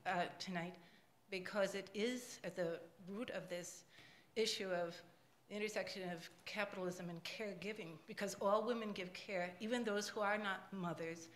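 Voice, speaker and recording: An older woman in the audience giving an impassioned comment into a handheld microphone at a panel, getting louder and more emphatic. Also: medium pitch, steady tone, moderate pace. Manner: emphatic, grows louder and forceful. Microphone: handheld microphone passed in audience. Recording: echoey room.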